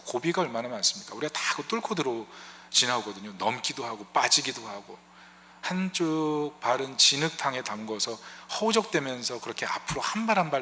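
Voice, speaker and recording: Korean pastor preaching in a reverberant hall. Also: male voice, medium pitch, pushed and bright. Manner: conversational preaching, rhetorical questions, acts out quoted prayers. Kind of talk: sermon. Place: church sanctuary.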